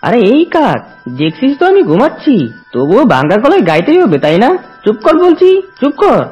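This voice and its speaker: A woman voicing a stubborn, self-pitying cartoon fox with a husky, whiny, dramatic delivery. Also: a little high, wildly swooping pitch, brisk, darkish tone, exaggerated voice. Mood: irritated. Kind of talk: cartoon voice acting. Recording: dull lo-fi audio, music behind.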